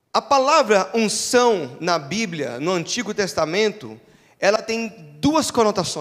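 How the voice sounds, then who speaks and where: A man's high-pitched voice at a very slow pace, with very wide swings in pitch. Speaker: pastor. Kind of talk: sermon. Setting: church.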